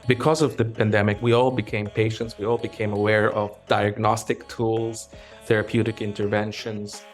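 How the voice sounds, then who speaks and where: A middle-aged man from Egypt with a fairly low voice speaks as an interview guest. He is measured and reflective, often restarting his sentences. Faint music sits quietly behind him. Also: level tone. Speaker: pharmaceutical executive guest. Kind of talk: interview conversation.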